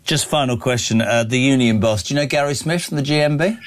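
A man's voice: medium pitch, fast. A man of sixty hosting a breakfast radio talk show, teasing and brash in casual banter. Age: 60s.

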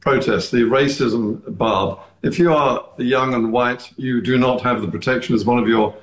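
Deliberate man on an echoey line. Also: medium pitch, steady tone. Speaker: studio guest. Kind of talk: radio discussion. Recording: roomy echo.

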